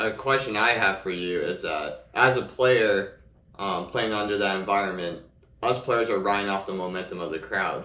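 Using a plain, everyday voice, a man speaks at a moderate pace, fairly low in pitch with ordinary pitch variation. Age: 20s. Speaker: esports gamer. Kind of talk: casual chat.

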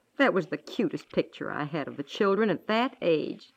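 A woman puts on a character voice, fairly low for a woman, with vocal fry, big pitch swings and a moderate pace.

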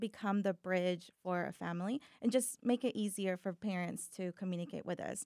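The speaker has a Spanish accent and ordinary pitch variation, captured in a dry, close sound with no echo. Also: woman. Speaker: school family engagement coordinator. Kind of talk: interview podcast.

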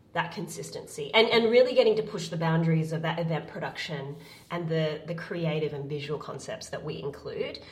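A woman speaks in an Australian accent, her loudness swinging widely. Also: ordinary pitch variation, fairly quick pace. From Perth, Australia. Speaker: event producer. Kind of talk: casual interview chat.

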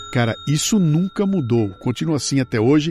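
A fairly high-pitched man talks at a fairly quick pace with very wide pitch swings and a dark, mellow tone. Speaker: podcaster and author. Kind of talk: reading aloud with commentary. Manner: casual.

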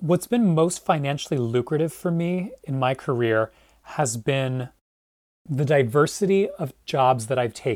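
A man with a normal speaking voice talks fairly slowly at a fairly high pitch. His intonation is lively on a very clean recording with a silent background. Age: 30s. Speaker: makeup artist. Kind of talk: interview.

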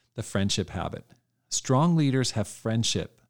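In a very clean recording with a silent background, a man's words come at a moderate pace. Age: 50s. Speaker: podcast host and church leadership coach. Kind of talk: motivational talk from a conference lesson. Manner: animated.

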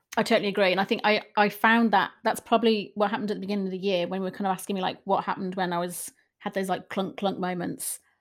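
A woman in a monotone, flat intonation, very fast pace with hardly any pauses, very clean recording with a silent background. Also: medium pitch for a woman. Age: 40s. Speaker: creative coach and illustrator. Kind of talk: casual chat.

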